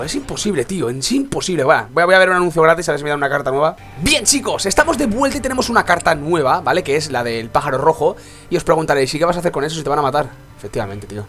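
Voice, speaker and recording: A young man, commenting on a mobile game he is playing, congested and sore-throated from a cold, swinging between low muttering and excited outbursts. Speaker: gaming YouTuber. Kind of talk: let's play commentary.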